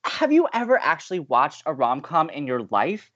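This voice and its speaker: A woman's voice: sits low, big pitch swings, normal speed, lo-fi sound. A woman playing an upbeat, teasing, hopelessly romantic college radio co-host in an audio drama, talking in playful, emphatic banter. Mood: teasing, insistent. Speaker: actor in a romantic comedy podcast.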